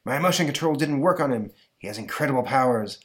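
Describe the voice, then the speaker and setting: A man's voice: medium pitch, expressive, fast, a bit bright, voice pushed up, lightly acted. Man as comic-book villain, scheming, frustrated, boastful, grumbling. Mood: thwarted.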